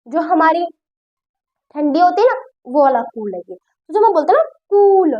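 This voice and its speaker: A woman's voice: high voice, muffled recording. A woman teaching a grammar lesson, who explains patiently, repeats her points and checks whether the class understood.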